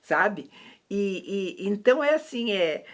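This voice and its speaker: A middle-aged woman hosting a casual Christian chat, reflecting slowly with many hesitant fillers. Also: medium pitch, big pitch swings. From Brazil. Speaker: host.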